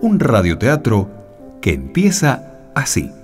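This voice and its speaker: A man's voice: mid-range voice, huge pitch swings, slow. A man reading a scripted introduction as the announcer of a radio program. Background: guitar music.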